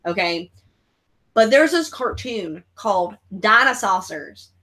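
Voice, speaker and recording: Woman host near thirty, crude jokester, bright voice, high and bouncy. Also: animated, slow, low-quality recording. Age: 30s. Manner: crude, joking, reads chat comments aloud. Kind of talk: casual watch-along chat.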